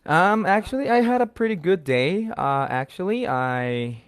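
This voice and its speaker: A man's voice: high-pitched, lively intonation, measured pace, clean tone, no room sound. A man in his twenties from Guatemala who teaches English, speaking with a Guatemalan Spanish accent as a friendly, upbeat guest on a live stream. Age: 20s. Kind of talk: casual live-stream chat.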